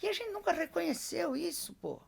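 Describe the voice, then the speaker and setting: A woman's voice: very high voice, very animated, a little fast, gravelly. A woman, a podcast guest talking bluntly and emphatically in casual chat. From Brazil. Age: 60s.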